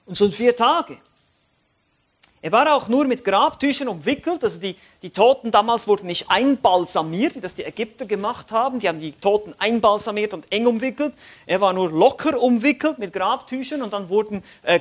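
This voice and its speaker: Animated high-voiced preacher. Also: male voice. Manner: animated, swings between quiet reflection and raised emphatic lines. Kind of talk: sermon with Bible reading.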